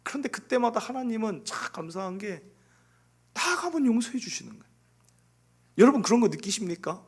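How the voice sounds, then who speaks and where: High, animated pastor preaching dramatically. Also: male voice, a little fast, breathy edge. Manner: dramatic delivery swinging from loud emphasis to hushed, near-whispered lines; earnest and confessional. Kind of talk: sermon. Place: church sanctuary pulpit.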